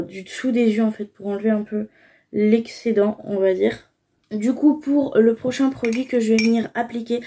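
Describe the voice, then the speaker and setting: A woman's voice: a little high, mellow. A young woman casually talking through her makeup routine, explaining each step with frequent fillers. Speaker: beauty vlogger.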